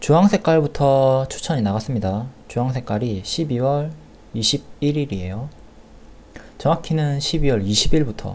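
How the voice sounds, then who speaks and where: A man with a somewhat breathy voice and lively intonation. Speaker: stock trading advisor. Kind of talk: lecture. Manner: slow.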